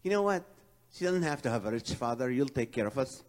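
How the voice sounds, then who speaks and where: A middle-aged man doing stand-up comedy, telling self-mocking stories in an animated way. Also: medium pitch, fairly quick.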